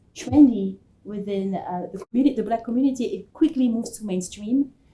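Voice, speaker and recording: Her voice fairly high, a woman speaks with lively intonation. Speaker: academic author. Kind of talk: conference Q&A. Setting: conference with audience. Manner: soft-spoken.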